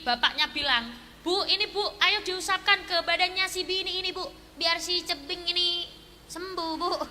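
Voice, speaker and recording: A woman preacher giving a sermon at a live gathering, telling a story and acting out its dialogue with lively voices. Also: high-pitched. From Indonesia. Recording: echoey hall with faint noise.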